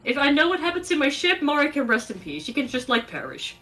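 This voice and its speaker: A woman with a high, bright voice chats casually over an online call, rambling along. She drops one thought and starts another mid-sentence, the way players talk between turns of a tabletop game. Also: sing-song, fast, faint music behind. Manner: rambling, breaks off and restarts her thoughts. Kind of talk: casual out-of-game chat on a stream.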